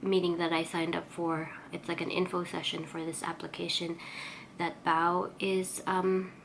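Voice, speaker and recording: Congested woman chatting, slightly low voice. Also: little pitch movement, a little slow, vocal fry, slight background noise, poor audio. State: congested and sniffly from a cold. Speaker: vlogger and artist. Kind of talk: casual chatty vlog update.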